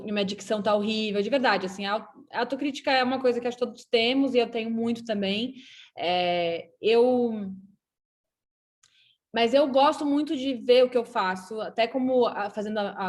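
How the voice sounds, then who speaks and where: A woman with a Brazilian accent, a guest actress and filmmaker talking casually on a live video call, chatty and full of restarts. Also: fairly high pitch. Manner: chatty, warm toward fans, many restarts. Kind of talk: casual talk on a live stream.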